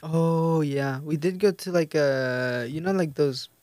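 A man's voice: a little high, measured pace, dry recording, studio quality. Hesitant young man, Spanish native. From Mexico. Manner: hesitant, filler-heavy, soft-spoken. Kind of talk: casual chat.

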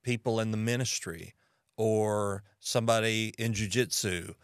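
An American man from Arkansas in casual conversation as an interviewer, speaking thoughtfully and haltingly with pauses mid-sentence. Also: on the low side, steady tone, clear, resonant tone, no echo, clean studio sound. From Arkansas, United States.

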